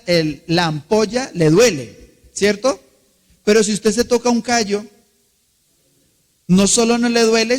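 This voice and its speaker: A man with a high, voice delivers a sermon as a pastor. He leans on key words, stretching them out, and keeps turning to the congregation with quick questions. His voice carries a long reverb through a large church hall.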